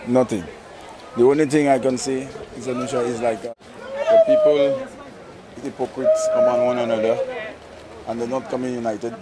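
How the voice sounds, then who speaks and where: Man, blunt and critical, mid pitch, clear crowd behind. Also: huge pitch swings, moderate pace, pauses often, poor audio. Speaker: street interviewee.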